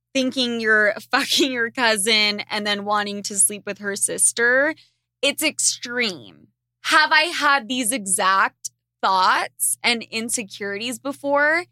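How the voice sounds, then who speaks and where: A young woman with a slightly high, sharp voice hosts a casual podcast, reading listener questions aloud and answering bluntly. She comes from an Argentine family, cracks crude jokes, and laughs often as she talks. The recording is dry, with no echo.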